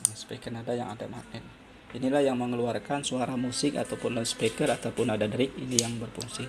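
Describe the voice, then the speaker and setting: A man giving an informal hands-on phone repair tutorial as host, halting and pausing often as he explains. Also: mid-range voice, steady tone. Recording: clearly noisy amateur recording.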